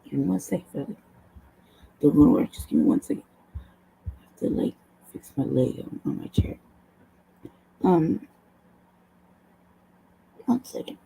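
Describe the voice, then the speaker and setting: A woman host with a low, hoarse voice, chatting casually at a desk mic, rambling, laughing often and swearing. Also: animated, unhurried, pauses often, dark tone, low-quality recording. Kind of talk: casual livestream talk.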